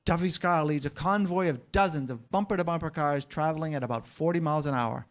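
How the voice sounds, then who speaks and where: A man reads scripted stage action as a narrator. His voice sits slightly high for a man, describing scenes in the present tense for a staged reading. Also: fairly quick.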